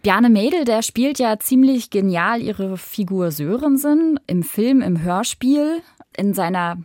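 A woman radio host asking measured interview questions, with a few fillers. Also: mid-range voice, animated, a little mellow, no room sound, studio quality.

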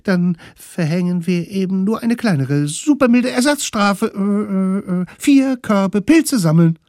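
A man voicing a group of excited, bossy little Stone Age children in a storybook reading. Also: unhurried, no room sound, studio quality. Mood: bossy, eager. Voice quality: squeaky, high and loud.

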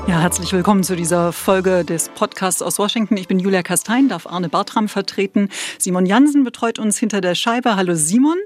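A woman hosting a radio podcast from a studio, presenting in a clear, measured way. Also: mid-range voice, faint music behind. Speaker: podcast host. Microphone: studio microphone.

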